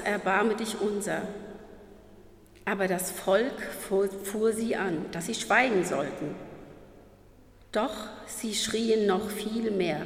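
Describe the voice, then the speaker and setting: Woman reading scripture slowly in church. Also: mid-range voice. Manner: slow, deliberate, solemn reading. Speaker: scripture reader. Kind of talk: liturgical Bible reading. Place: church hall. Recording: roomy hall with long reverb.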